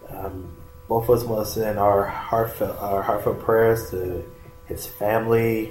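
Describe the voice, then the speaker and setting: Over music in the background, a man with an American accent speaks fairly slowly at a medium pitch. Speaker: sports podcast co-host. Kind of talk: casual chat. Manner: loud; animated.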